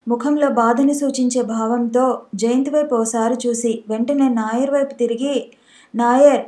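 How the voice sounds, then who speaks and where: A woman's voice: on the high side, steady tone, moderate pace, dark tone. A woman narrating a novel as an audiobook, reading steadily and evenly.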